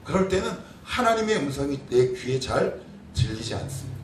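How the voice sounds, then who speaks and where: A man's voice: mid-range voice, very animated, normal speed, background noise. A man in his forties, a pastor preaching a conversational sermon full of rhetorical questions to his congregation. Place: church sanctuary. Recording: echoey church from a distant mic.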